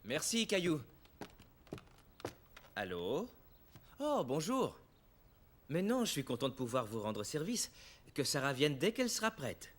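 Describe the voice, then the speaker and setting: A man's voice: a little high, huge pitch swings, measured pace, long pauses, slight background noise. A man voicing a kindly, easygoing young father in a children's cartoon, patient and good-humoured.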